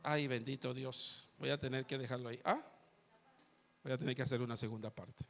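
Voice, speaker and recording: A male pastor preaching an animated live sermon in a church, telling stories to the congregation. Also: mid-range voice, fairly quick, vocal fry. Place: church sanctuary. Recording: long hall reverb, faint guitar behind.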